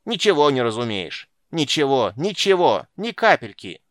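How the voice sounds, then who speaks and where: A man voicing a cranky old male sorcerer who shouts and scolds in a shrill, petulant voice. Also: wildly swooping pitch, normal speed, no room sound, studio quality. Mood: ranting.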